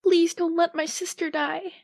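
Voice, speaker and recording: Woman playing earnest girl in an audio drama, high voice, matter of fact. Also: little pitch movement, a little slow, creaky, a little mellow, heavily acted. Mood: pleading. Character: earnest young woman with time powers.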